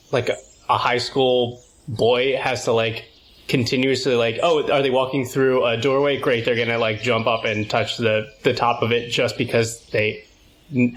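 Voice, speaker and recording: Halting man with a mid-pitched voice. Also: a bit bright. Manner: halting, searching for words. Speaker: tabletop role-playing game player. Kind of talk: casual character narration.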